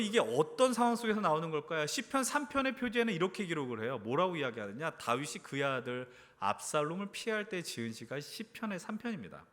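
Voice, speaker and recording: A man delivers a sermon to a youth congregation in a church sanctuary. His voice is bright, forceful and a little high. He poses one rhetorical question after another and shifts between quiet, low lines and emphatic raised ones, while a long hall reverb trails every phrase. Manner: earnest, addresses the congregation with frequent rhetorical questions. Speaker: preacher at a church youth service.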